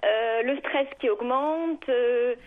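A woman's voice: on the high side, takes it slowly. A woman in her forties from France, with a French accent, calling in to a radio show and telling her troubles in an earnest, hesitant way. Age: 40s. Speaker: caller. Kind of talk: caller telling her problem on air. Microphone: telephone. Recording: tinny phone line.

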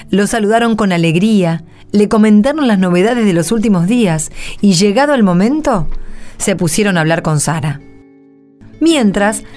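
A woman's voice: medium pitch, a little mellow. A woman reading scripted narration as the storyteller of a Spanish-language radio play.

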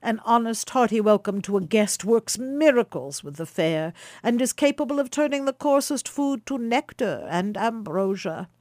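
Woman voicing a dignified elder stranger, unhurried and gentle, close dry sound. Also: on the high side, expressive, no echo, natural voice. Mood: kindly. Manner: slow, solemn, kindly. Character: grand, kindly elder male stranger.

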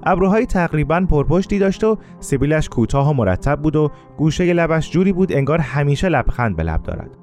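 A man narrating a first-person story in a calm, measured way, with scripted narration. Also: a little high, faint music behind.

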